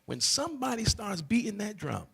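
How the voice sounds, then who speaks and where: A man's voice: high voice, big pitch swings, normal speed, gravelly, fairly bright tone, big-room sound, a little hiss or hum. A man preaching a teaching sermon as pastor, with emphatic repetition and call-and-response asides to the congregation. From Barbados.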